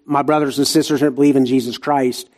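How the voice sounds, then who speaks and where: A man's voice: medium pitch, steady tone, a little fast, darkish tone. A man with an Appalachian, Southern US hillbilly accent preaching a sermon in emphatic short phrases, repeating himself and asking rhetorical questions.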